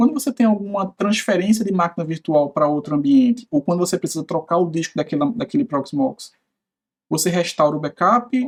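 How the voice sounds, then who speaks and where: Against a quiet background, a man speaks high-pitched at a fairly quick pace with lively intonation. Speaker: tech YouTuber and course instructor; tech YouTuber, course instructor. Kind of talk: tutorial. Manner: fast. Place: home room.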